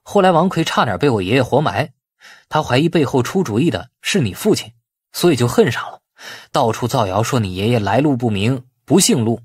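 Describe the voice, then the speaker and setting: A man's voice: medium pitch, very animated, brisk, a little mellow, slightly rough, no echo, clean studio sound. A man voicing a deferential, placating nephew in an audiobook drama. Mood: placating, explaining. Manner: explaining, placating.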